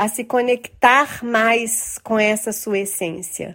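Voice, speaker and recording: Very slow speech from a woman, recorded very cleanly against total silence. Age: 50s. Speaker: life coach and podcast host. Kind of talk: reflective monologue.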